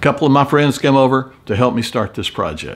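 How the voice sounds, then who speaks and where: A man talks with a Texas accent. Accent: Texas drawl. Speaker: car restoration YouTuber. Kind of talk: tutorial.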